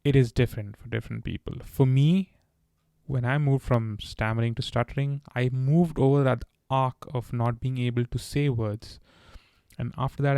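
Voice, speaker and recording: A podcast host gives candid solo talk, earnestly offering advice and sometimes stumbling over a word before starting again. His warm voice is gravelly with an edge of fry, and its pitch stays level with little rise or fall. The recording is close and dry, with no room sound or echo.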